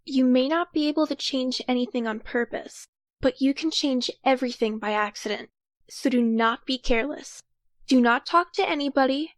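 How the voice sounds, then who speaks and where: A woman's voice: sits high, moderate pace, dry recording, natural voice. A woman playing an earnest, cautious young time traveler who takes charge and explains things carefully in an audio drama. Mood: serious, warning.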